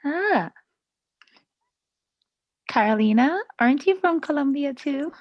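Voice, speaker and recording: A woman's voice: sits high, expressive, slow pace, no room sound. A woman teaching a live online class, chatty and laughing often with students over a video call. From Canada. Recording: slightly muffled dry video-call audio.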